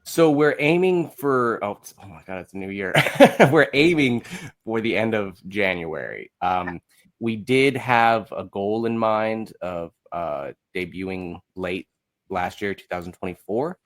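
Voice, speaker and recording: A man's voice: lowish voice, lively intonation, unhurried. A man speaking as an interview guest in casual conversation, informal and hesitant as he searches for his words. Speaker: podcast guest, musical creator.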